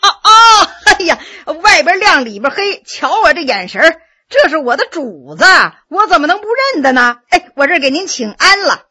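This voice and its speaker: Woman as male court official, storybook figure, servile yet knowing, bright animated high voice. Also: unhurried, exaggerated voice. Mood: obsequious. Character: sly, obsequious male court official, self-assured connoisseur. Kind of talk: dramatized storytelling.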